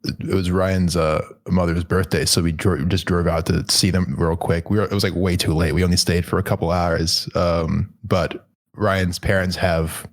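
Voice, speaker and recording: A man chatting casually on a podcast, relaxed and laid-back. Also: deep voice, moderate pace. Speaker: podcast co-host. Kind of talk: casual chat.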